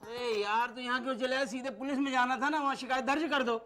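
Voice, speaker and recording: An actor playing a shrewd, kindly older man who briskly takes charge and reassures others. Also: very high-pitched, steady tone, sharp tone. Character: shrewd, kindly older male problem-solver. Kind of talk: TV drama acting. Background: background music.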